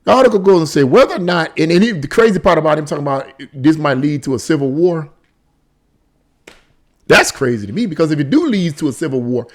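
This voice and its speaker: High-pitched man, exasperated opinionated commentator. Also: lively intonation, fast talker. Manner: exasperated, opinionated, repeating words and phrases for emphasis. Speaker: online political commentator. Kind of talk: unscripted commentary on a news article.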